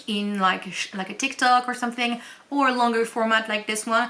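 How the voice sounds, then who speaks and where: High-pitched woman's voice at a fairly quick pace. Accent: French. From France. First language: French. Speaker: artist and YouTuber. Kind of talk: casual vlog talk. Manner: hesitant, many fillers.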